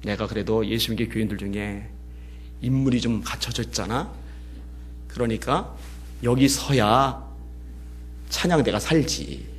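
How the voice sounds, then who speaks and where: A man preaching as pastor, telling a story and swinging between hushed passages and loud, emotional peaks. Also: lowish voice, a little slow, pauses often, slight background noise. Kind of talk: sermon. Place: church.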